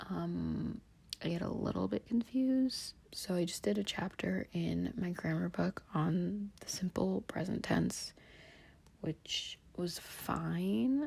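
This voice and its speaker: Soft-spoken, in an American accent, at a very slow pace with very even loudness. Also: woman. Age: 20s. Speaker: student vlogger. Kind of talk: casual vlog talk.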